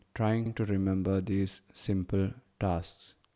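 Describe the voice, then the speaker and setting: A man speaks with an Indian accent. His tone is dark and mellow. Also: very clean recording, silent background. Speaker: podcast host, blind entrepreneur. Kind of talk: solo podcast monologue. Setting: home at night.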